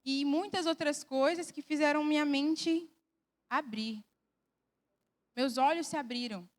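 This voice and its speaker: A young woman with a high, bright-sounding voice tells her story before a church congregation. She talks in a casual, heartfelt way. Her earnest, emotional delivery carries her personal testimony. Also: a little slow. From Brazil.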